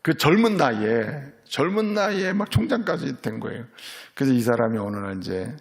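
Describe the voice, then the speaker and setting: A middle-aged man, a senior pastor, preaching a sermon as a lively storyteller who keeps checking in with his congregation. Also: medium pitch, normal speed, vocal fry. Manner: lively storytelling preacher, voices characters in quotes, asks "예?" of the congregation.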